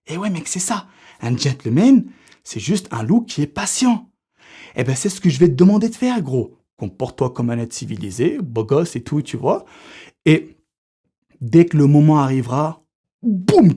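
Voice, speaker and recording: A man's voice: a little high, mellow, slightly rough. Slangy man coaching in mock seriousness. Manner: slangy, addresses viewer as buddy; unscripted one-take delivery, checks notes live. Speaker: comedic seduction-advice youtuber.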